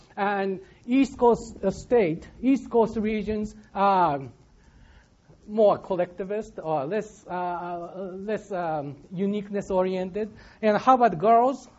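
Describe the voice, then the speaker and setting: A man with a Japanese accent, high in pitch, at a very slow pace with ordinary pitch variation. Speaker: psychology professor. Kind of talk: lecture. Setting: stage with audience.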